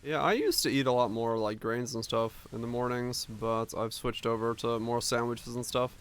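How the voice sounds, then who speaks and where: A man's voice: medium pitch, moderate pace, a little hiss or hum. A young man from Finland with an American accent, chatting loosely with his stream viewers, rambling and swearing with many restarts. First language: Finnish. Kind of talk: casual chat with stream viewers.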